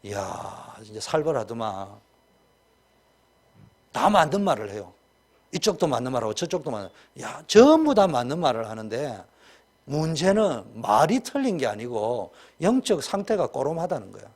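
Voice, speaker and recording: A man's voice: mid-range voice, sing-song, moderate pace, a little mellow. A man with a Gyeongsang Korean accent preaching a sermon as pastor, colloquial and emphatic, with many rhetorical questions.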